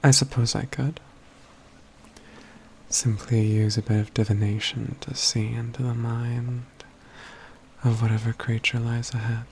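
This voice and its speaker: A man playing a wry, self-assured, caring mage companion in a soft, breathy, near-whispered ASMR fantasy roleplay, with measured, formal phrasing. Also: mid-range voice, little pitch movement, slight background noise, natural voice. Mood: pensive.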